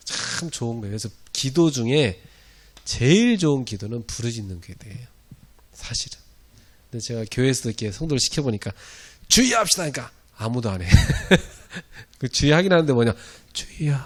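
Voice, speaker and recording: A middle-aged male pastor preaching a sermon in a lively, conversational way, laughing often and breaking into loud shouted prayers. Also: medium pitch.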